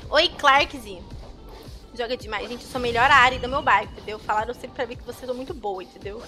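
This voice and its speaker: A young Brazilian woman chatting casually with viewers while streaming a game, with excitable outbursts. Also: a little high, fast talker, faint music behind. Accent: Brazilian Portuguese. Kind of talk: casual gameplay commentary.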